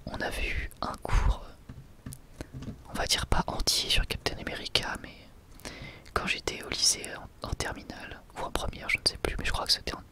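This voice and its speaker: Casting: ASMR host, soft library whisper throughout, casual unhurried book commentary with musing asides.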